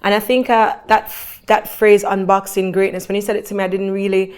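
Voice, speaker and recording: A woman's voice: medium pitch, level tone, a little fast, a little mellow, clear, resonant tone. A woman being interviewed who tells her story in an earnest, faith-filled way. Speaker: guest. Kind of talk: conversational interview.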